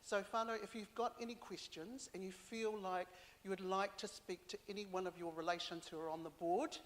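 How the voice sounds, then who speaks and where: A woman's voice: medium pitch, fairly even intonation. New woman speaking in a big hall. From New Zealand and Samoa. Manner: halting, with many fillers, mixing in Māori. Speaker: archive board member. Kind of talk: speaking at a community consultation.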